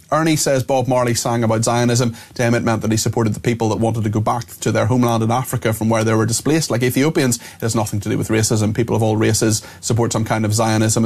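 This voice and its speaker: A smooth radio host, a man whose fluent on-air delivery moves at a quick clip. His pitch sits in an ordinary middle range. He reads listener messages and links one segment to the next without losing pace. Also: a little mellow. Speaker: radio talk show host.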